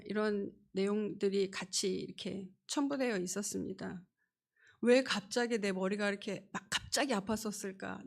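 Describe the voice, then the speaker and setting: A woman's voice: fairly high pitch, gravelly. A middle-aged woman giving a personal healing testimony at church, earnest and acting out her own pleas.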